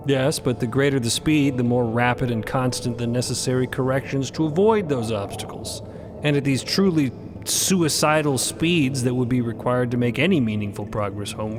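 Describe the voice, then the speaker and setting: A man's voice: mid-range voice, moderate pace, over music, close to an everyday voice. Man playing stern, cautious female ship's doctor. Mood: skeptical, exasperated. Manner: precise, argumentative, formal.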